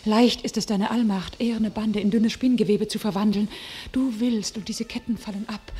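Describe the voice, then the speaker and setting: An actress playing a pious, fervent young captive warrior maiden in a classic radio play, declaiming solemnly. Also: female voice, mid-range voice, steady tone, normal speed, dark tone, long reverb tail, lightly acted. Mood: imploring prayer.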